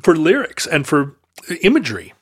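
A man co-hosting a podcast in casual conversation, talking haltingly with many restarts and fillers. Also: on the high side, wildly swooping pitch, slightly rough, no room sound, studio quality. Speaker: podcast co-host.

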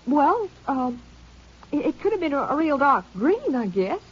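A woman's voice: sits high, big pitch swings, normal speed. A woman playing an anxious, insistent American teenage girl in a 1950s radio drama, stammering and pleading as she talks. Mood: defensive. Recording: dull old radio recording.

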